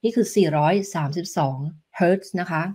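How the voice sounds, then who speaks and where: With tuning fork tones in the background, a woman health coach leads a live demonstration, answering viewer questions and explaining each step gently. Her voice is fairly low and fairly quick, recorded on a desk microphone.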